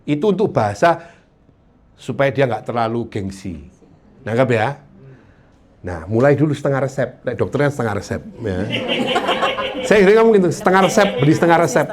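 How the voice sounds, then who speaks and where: A man giving a joking, lively motivational training talk to insurance sellers, acting out client dialogues. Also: mid-range voice, a little fast, long pauses.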